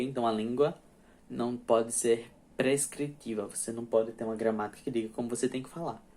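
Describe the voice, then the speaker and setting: A man's voice: medium pitch, a little mellow. Chatty man teaching grammar. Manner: chatty, many restarts and checks like "ok?" and "tá?". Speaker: English teacher. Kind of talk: casual spoken grammar lesson.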